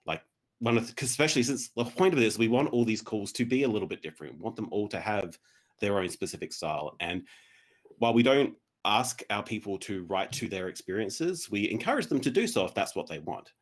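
Guy with a lowish voice explaining stuff on a panel video call. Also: lively intonation, fairly quick. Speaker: panelist, podcast writer. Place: indoor room at home, video call.

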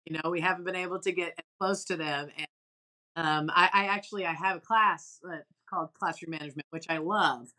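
A woman co-host chats on a webcam call from a home office lined with bookshelves. Her voice sits a little low, and she talks in a loose, conversational way. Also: steady tone, fairly quick, bright, forceful tone, rough recording. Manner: conversational, chatty. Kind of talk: video call panel discussion. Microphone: video call webcam.

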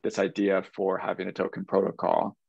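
A man with a low, gravelly voice rambles through his point in a casual group call, often leaning on "like." The sound is dry and close, with dull lo-fi call audio. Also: completely flat delivery, fairly quick, a little mellow, no echo. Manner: rambling, uses "like" often, apologetic. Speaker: meetup participant.

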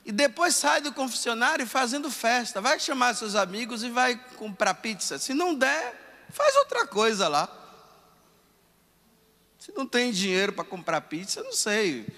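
A man, a priest, giving a lively, conversational sermon and voicing the people he quotes. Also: very high-pitched, moderate pace, long reverb tail.

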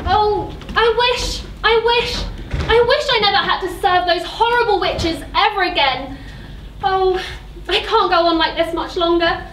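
A woman's voice: very high voice, measured pace, a bit bright, recorded from a distance, slight background noise. A woman playing a put-upon young pantomime heroine, sweet but cheeky, projecting emphatically to the audience. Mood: despairing. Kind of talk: amateur stage pantomime, addressing audience. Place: theatre stage. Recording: echoey theatre stage.

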